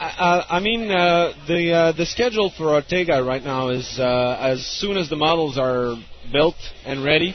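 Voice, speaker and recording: Noticeable background noise surrounds a man's fairly high voice. He keeps a moderate pace with ordinary pitch variation. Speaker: fan film special effects artist.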